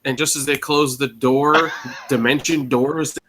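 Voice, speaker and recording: A man co-hosting a live fan talk show, animatedly retelling tabletop game moments with quick voice impressions. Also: medium pitch, fairly even intonation, background noise. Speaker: podcast co-host. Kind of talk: casual chat recapping a tabletop show.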